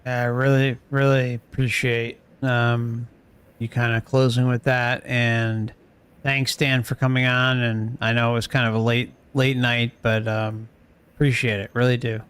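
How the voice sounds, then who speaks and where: Man, livestream host, slow pace, smooth clear voice, dry sound, earnest, questioning, unscripted. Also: medium pitch, flat delivery, fairly bright tone. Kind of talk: casual unscripted commentary.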